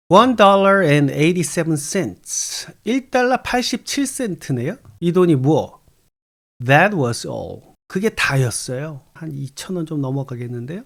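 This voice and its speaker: Guy teaching english, reads lines super slow then breaks them down, kinda high voice. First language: Korean. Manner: reads English phrases very slowly, then explains in Korean. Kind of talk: reading and explaining an English short story.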